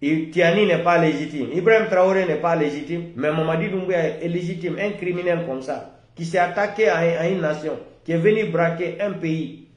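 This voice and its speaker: Guy in his 40s, from home, ranting hard and repeating himself, kinda high voice, echoey little room. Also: moderate pace, highs cut off. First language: a local West African language. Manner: emphatic, repetitive, rising on key phrases. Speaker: political commentator. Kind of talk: impassioned political monologue. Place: small room indoors.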